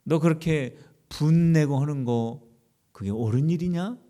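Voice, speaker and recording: A man preaching in Korean voices a patient, stern male deity gently rebuking a prophet with slow questions. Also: on the high side, pitched above the performer's own voice, lightly acted.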